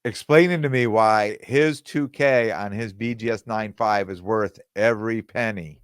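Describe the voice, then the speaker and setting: Guy with a lowish voice going hoarse, rambling podcast chat, dry close sound. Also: a little slow, dry recording. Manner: rambling, with many fillers and restarts; quotes other people in dialogue. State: losing his voice. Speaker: podcast host. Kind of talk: casual solo podcast talk.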